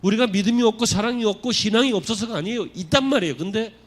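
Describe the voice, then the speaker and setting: A male pastor giving a Sunday sermon to his congregation. He asks them questions and turns soft and tender when voicing Jesus. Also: high voice, rapid-fire. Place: church sanctuary.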